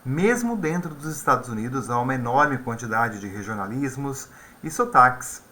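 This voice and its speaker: A man's voice: medium pitch, lively intonation, moderate pace, sharp tone, a little hiss or hum. A man teaching an English lesson in a conversational way, often tagging his sentences with questions. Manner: conversational, with frequent tag questions. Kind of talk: video lesson explaining vocabulary.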